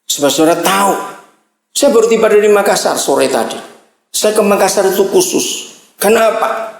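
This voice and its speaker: A male pastor delivers an impassioned sermon, his voice pitched high and breaking into shouts as he presses his point on the congregation. The sound carries the echo of a large church hall. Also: normal speed, vocal fry. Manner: impassioned, shouting at times, addresses congregation as saudara.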